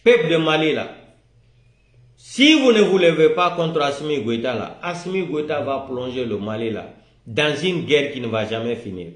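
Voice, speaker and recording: A man's voice: a little high, expressive, normal speed. A man with a West African accent delivering a vehement, accusatory political rant, with commanding, repetitive and emphatic declarations. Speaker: political video commentator. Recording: roomy, echoing room.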